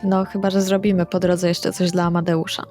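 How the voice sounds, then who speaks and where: A woman's voice: on the low side, little pitch movement, a little fast, a little mellow. A woman playing a tabletop role-playing game, casually speaking in character and describing her actions. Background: music.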